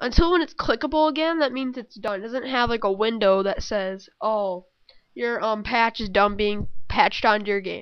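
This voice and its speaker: The woman's pitch is fairly high, with ordinary variation. She talks at a moderate pace. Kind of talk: casual screen-recording tutorial. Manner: hesitant, filler words.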